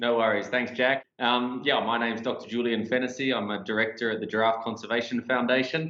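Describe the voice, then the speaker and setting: In an Australian accent, a man of medium pitch speaks at a fairly quick pace with monotone, flat intonation and hardly any pauses, in a room with audible echo. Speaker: conservation scientist. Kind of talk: interview.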